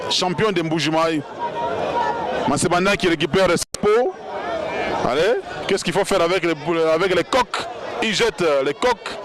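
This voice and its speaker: A man with a Congolese accent commentating live on wrestling like a boxing ring announcer, calling out to the crowd with drawn-out announcements. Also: on the high side. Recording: live event with music and crowd noise.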